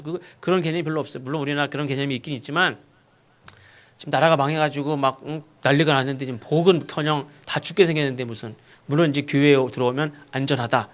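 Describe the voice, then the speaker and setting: Guy preaching in church, kinda high pitched, fires off questions and mock scoldings. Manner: preaching with acted rebukes and rhetorical questions. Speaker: pastor. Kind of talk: sermon. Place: church sanctuary.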